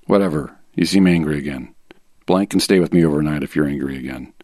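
A man with a very deep-pitched voice reads text messages aloud as a podcast guest. His delivery is dramatic and terse, in short phrases. The recording is dry, with no room sound. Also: quick pace, mellow, no echo.

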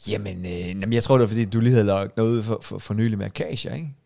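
A man's voice: on the low side, gravelly, dark tone. A man co-hosting a podcast, telling a story in a casual chat and laughing often. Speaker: podcast co-host.

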